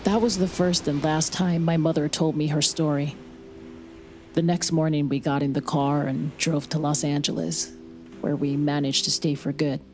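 An actress playing a grieving young married woman who narrates her story quietly in an audio drama. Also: low voice, steady tone, moderate pace, natural voice. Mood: somber. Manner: quiet, somber, reflective. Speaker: narrator and lead character.

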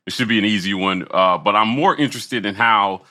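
A man's voice: on the low side, a little fast, pushed and bright. A man chatting casually and animatedly about sports as a podcast co-host.

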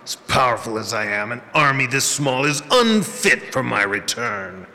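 An actor playing an ancient, imperious fairy lord in a fantasy audio drama, haughty, theatrical and commanding. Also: male voice, mid-range voice, animated, moderate pace, bright, forceful tone. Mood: impatient. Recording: long cavernous reverb.

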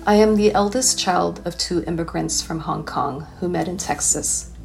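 A woman with a fairly low voice reads her own personal essay aloud. Her first language is Cantonese, and she takes a measured, reflective pace through the text. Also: creaky, darkish tone, faint music behind.

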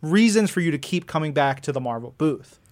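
A man co-hosting a podcast, chatting casually and briskly running through news and event schedules. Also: a little high, expressive, a little mellow. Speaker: podcast co-host. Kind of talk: casual chat reading show news.

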